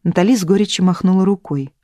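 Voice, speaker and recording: An audiobook narrator reading a story in an even, measured way. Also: medium pitch, no echo. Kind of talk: scripted narration.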